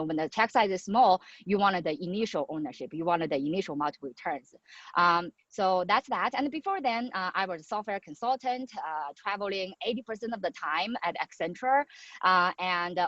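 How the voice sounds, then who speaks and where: A woman from China in her thirties, introducing herself on a video call with a halting manner full of fillers. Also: fairly low pitch, fairly bright tone, dry recording. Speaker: venture investor. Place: outdoors on a patio. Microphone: laptop mic on video call. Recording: muffled video call audio.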